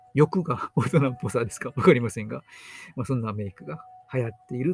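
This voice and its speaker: Over noticeable background noise, a man talks at a medium pitch and fairly quick pace with lively intonation and big swings in loudness, in a dry, close sound with no echo. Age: 50s. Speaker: walking instructor and podcaster. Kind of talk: live-stream monologue. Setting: live audio stream.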